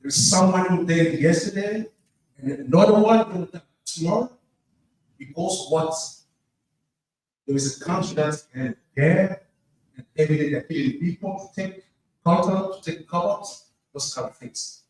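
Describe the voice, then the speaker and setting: A man's voice: on the high side, darkish tone. Congolese man speaking in a very echoey hall. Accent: Congolese French. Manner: halting, non-fluent English with repetition for emphasis. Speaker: audience member at a conference. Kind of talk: impassioned floor speech. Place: large indoor conference room. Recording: very echoey hall, distant mic, faint noise.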